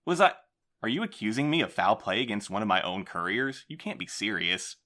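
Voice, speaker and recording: A defensive, guarded postmaster, voiced by a man in an audio drama. He speaks in a low, measured voice and tries to placate the people questioning him. His delivery stays calm and careful.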